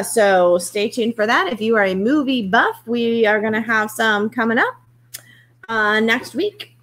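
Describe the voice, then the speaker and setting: Brisk middle-aged woman calling auction bids. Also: a little high, fairly bright tone. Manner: brisk rhythmic bid calling. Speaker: auction host. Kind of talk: live online auction calling. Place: home room, indoors.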